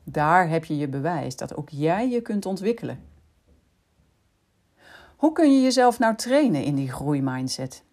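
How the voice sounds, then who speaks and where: Low, husky-voiced woman explaining calmly. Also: measured pace, pauses often. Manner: calm explaining, addresses listener directly. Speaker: podcast host. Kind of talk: scripted educational narration.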